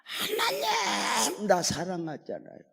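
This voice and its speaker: A man voicing a bumbling, desperate church deacon who hangs from a branch and cries out in shouted, high-pitched pleas, recorded with a long hall reverb. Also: lively intonation, moderate pace, breathy edge. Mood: pleading.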